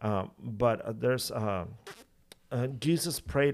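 A man is speaking. He talks with a Spanish accent. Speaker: pastor. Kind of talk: casual chat. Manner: halting.

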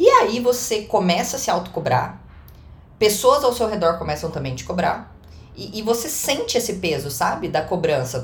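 Audible room echo surrounds a woman's voice. Her fairly low pitch rises and falls in very wide swings. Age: 30s. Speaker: podcast host. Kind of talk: monologue.

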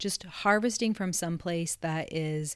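A woman with an American accent speaks at a fairly low pitch, using ordinary pitch variation. The recording is very clean, with a silent background. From rural Oklahoma. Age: 30s. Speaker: podcast host, farmer and herbalist. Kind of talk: solo podcast monologue. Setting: home recording, living room.

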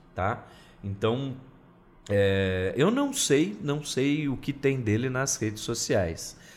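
Audible room echo surrounds a man with a medium pitch. He speaks at a very slow pace with ordinary pitch variation. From interior of São Paulo state, Brazil. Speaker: podcast host. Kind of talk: casual discussion.

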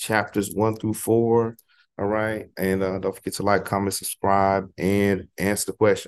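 A man with a plain, everyday voice talks at a moderate pace and fairly low pitch, with fairly even intonation against a quiet background. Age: 40s. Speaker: podcast host teaching African history. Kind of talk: lecture. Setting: library.

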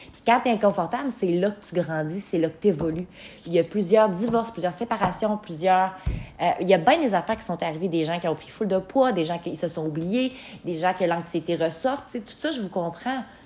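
A woman with a medium pitch and a dark, mellow tone talks at a fairly quick pace, her loudness swinging widely. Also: ordinary pitch variation. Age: 20s. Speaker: podcaster. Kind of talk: motivational monologue. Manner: animated.

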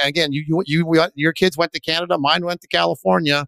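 A man's ordinary speaking voice with an American accent, fairly high in pitch and fairly even in intonation, with a dry, close sound and no echo. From Arizona. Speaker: podcast host and band director. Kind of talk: casual interview chat.

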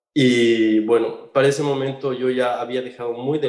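A man speaks at a medium pitch. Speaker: game artist. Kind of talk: casual interview. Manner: hesitant, many fillers.

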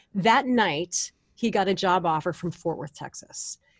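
A normal speaking voice comes at a fairly slow pace with ordinary pitch variation. The recording is very clean with a silent background, dry and close with no echo. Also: woman. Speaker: TV journalist and marathoner. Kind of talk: casual interview conversation. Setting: closet at home.

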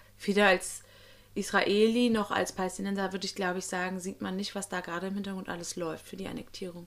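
Monotone, flat intonation runs through a woman's speech. She talks at a very fast pace with a medium pitch. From rural Germany, a village. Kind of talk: casual chat.

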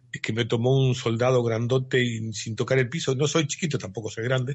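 Speaking fairly fast, this man's voice comes across somewhat breathy. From Uruguay. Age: 60s. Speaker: journalist and author. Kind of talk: interview.

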